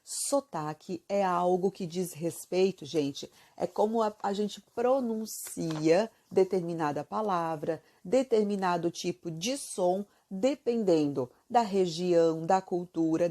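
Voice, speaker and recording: Brazilian lady w a santa catarina accent teaching italian, kinda low mellow voice, talks to the viewer a lot. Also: slow pace, hardly any pauses. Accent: Santa Catarina Brazilian Portuguese. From southern Brazil. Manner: chatty, asks the viewer many questions, many fillers. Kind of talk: casual video lesson.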